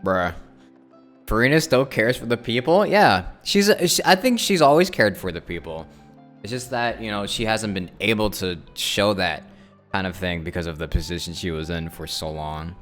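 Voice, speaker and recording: A woman's voice: extremely low pitch, lively intonation, normal speed. A woman streamer giving casual, slangy, musing live reactions while playing a game. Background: faint game music.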